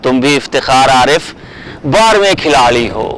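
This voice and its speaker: A man with a Pakistani accent presenting in a theatrical, emphatic and deliberate way, like a dramatic poetry reader. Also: medium pitch, expressive, fairly bright tone, slight background noise, poor audio.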